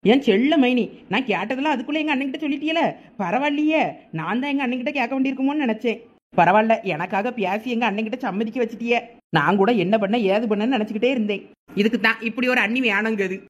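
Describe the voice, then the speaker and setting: Woman playing cartoon sister-in-law, fairly high voice, quick, cheeky, wheedling, Thoothukudi Tamil accent. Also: muffled recording, close to an everyday voice. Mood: teasing. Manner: teasing, wheedling. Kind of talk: dialect cartoon family comedy dialogue.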